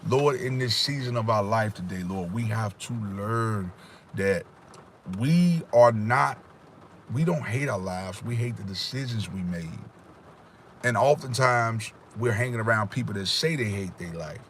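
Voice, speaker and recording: A slightly slow, fairly low-pitched man with a bit of brightness in his voice gives insistent, moralizing life advice to his livestream viewers. The casual motivational stream is captured by a phone or webcam in front of him, with a little hiss or hum.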